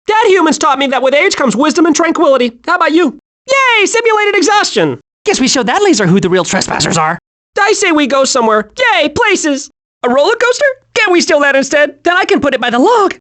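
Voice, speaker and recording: An actor playing a hyperactive, childlike young squirrel in an animated video game, excitable and naive. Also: male voice, very high-pitched, brisk, full character voice. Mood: giddy, excitable. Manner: excitable, naive, wide-eyed.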